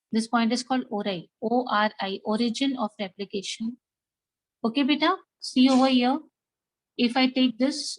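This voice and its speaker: Here a biology teacher with a South Asian accent runs an interactive lesson, restating key points and quizzing the class. Her voice sits a little high. The low-quality recording carries no room sound.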